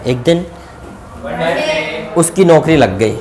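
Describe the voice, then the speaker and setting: An Indian man teaches an English grammar lesson at a very slow, deliberate pace. He repeats each example sentence and draws the English out slowly. He breaks off now and then for easygoing remarks to his students. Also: fairly high pitch, animated, noisy background. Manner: chatty asides to the students.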